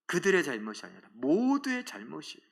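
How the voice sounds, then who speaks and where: A male pastor preaching a sermon in a church, acting out quoted taunts with loud outbursts and dropping to a hush for emphasis. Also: fairly high pitch, huge pitch swings, brisk, vocal fry. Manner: dramatic, acts out quoted taunts and cries with sudden loud rises; drops to a hushed, soft voice for emphasis. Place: church sanctuary.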